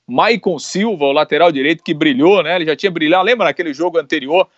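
A man's voice: fairly high pitch, fast talker, no echo, highs cut off. A man sports reporter chatting on the radio, conversational with frequent verbal tics. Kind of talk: casual radio chat.

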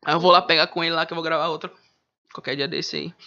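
A man's voice: a little high, fairly even intonation, quick pace, sharp tone. Slangy man. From Manaus, Brazil. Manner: slangy, laid-back street talk. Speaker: rapper guest. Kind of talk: casual interview chat. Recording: dull lo-fi audio.

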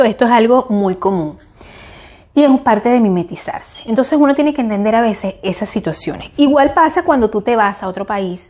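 A woman's voice: medium pitch, a little mellow. A middle-aged woman from Venezuela with a Venezuelan accent, talking casually in a reflective monologue, often restarting and searching for words. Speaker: vlogger.

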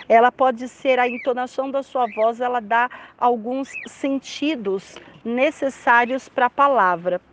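Woman Bible teacher, slightly high pitch, emphatic teaching delivery, faint background noise. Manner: emphatic, dramatic shifts of tone. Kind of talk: teaching and prayer.

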